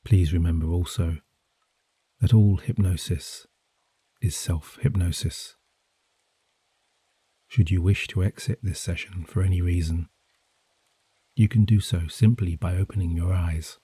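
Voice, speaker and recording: A soft-spoken man guiding a sleep hypnosis session in a hushed, soothing, measured way with gently drawn-out phrases. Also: low voice, fairly even intonation, breathy edge, dry recording. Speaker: hypnosis and meditation guide. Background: gentle rain sounds.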